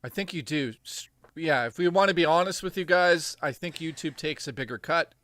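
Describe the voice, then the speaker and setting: A man's voice: on the high side, brisk, fairly bright tone, dry recording. A man co-hosting a casual livestream, reading viewer donations aloud with crude jokes while losing his voice. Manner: crude, joking, reads messages aloud.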